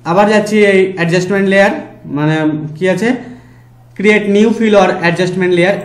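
A man with a Bengali accent giving a slow, step-by-step software tutorial with frequent fillers. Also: high voice, reverberant. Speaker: tutorial host. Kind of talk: screen-recorded software tutorial.

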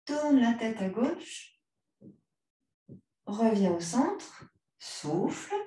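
Leading a guided yoga class, a woman with a slightly high voice gives calm cues at an unhurried pace, matched to the breath. She is the yoga teacher, recorded with a distant mic in a very echoey room.

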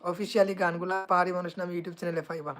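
Brief: Sylheti woman, singer hosting a live chat, low and level delivery, reads comments out eagerly. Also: racing. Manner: reads viewers' comments and places aloud, excitable. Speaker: singer and guest on a live stream. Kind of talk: casual live-stream chat.

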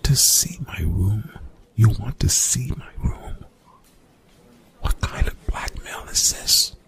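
A gruff young college bully, acted by a man in an ASMR roleplay, mostly whispering in a low register. He is defensive and exasperated, with a creaky rasp and slangy, grudging apologies. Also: lively intonation, slow pace, heavily acted. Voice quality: whispered, breathy, gravelly low voice. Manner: hushed, exasperated, slangy and swearing.

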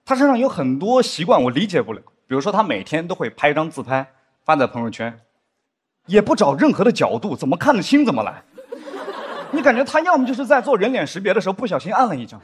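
A young adult man performing a stand-up comedy set on a studio stage, animated, now and then acting out stiff drama lines in a lower voice. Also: fast, slight background noise. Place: studio stage with live audience. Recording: studio stage with audience laughter. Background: audience laughter.

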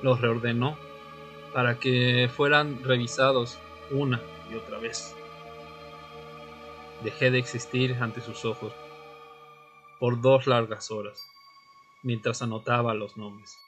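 Man playing brooding male vampire, crisp bright tone, deliberate radio-drama storytelling, faint music. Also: mid-range voice, fairly even intonation. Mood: brooding, solemn. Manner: solemn, deliberate storytelling in short phrases. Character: brooding male vampire, former history student, seeking answers. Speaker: narrator and lead actor. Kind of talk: audio drama narration and dialogue. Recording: music bed under the voice.

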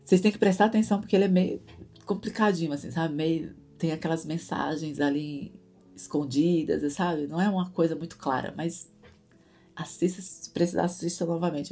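A woman's voice: low-pitched, fairly even intonation, normal speed, breathy edge. A woman giving an earnest devotional teaching to other women, repeating words for emphasis. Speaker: Christian women's devotional host. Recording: soft guitar music behind.

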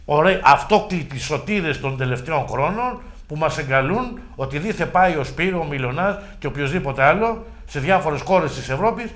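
A man's voice: on the high side, lively intonation, hardly any pauses, a bit bright. A middle-aged man, a regional deputy governor, arguing his case emphatically in a local TV interview and using rhetorical questions.

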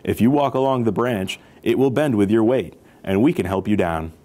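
A man's voice: on the low side, moderate pace, dark tone, close to an everyday voice. A man voicing a friendly, easygoing male elephant leader in a children's storybook, teasing and advising kindly.

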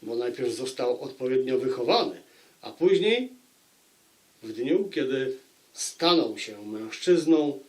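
A book reviewer who also narrates audiobooks talks to his viewers about a book like a storyteller, using a mid-range voice. He speaks unhurriedly with deliberate pauses between phrases, and his widely swinging intonation keeps the narration lively.

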